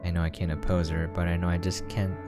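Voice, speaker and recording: A man's voice: sits low, flat delivery, quick pace, over loud music. A man giving casual, musing gameplay commentary and reading visual novel text aloud. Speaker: game preview commentator.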